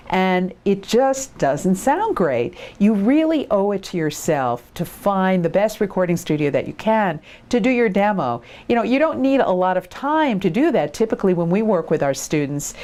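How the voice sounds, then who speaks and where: A woman's voice: mid-range voice, a little mellow. A woman giving conversational, direct and encouraging instruction as a voice-over coach. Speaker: professional voice talent. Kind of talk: instructional talk to camera, conversational.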